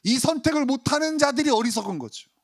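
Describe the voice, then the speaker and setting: A man's voice: extremely high pitch, lively intonation, quick pace. A male pastor preaching a Sunday sermon in a chatty way, tossing rhetorical questions at the congregation. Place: church sanctuary.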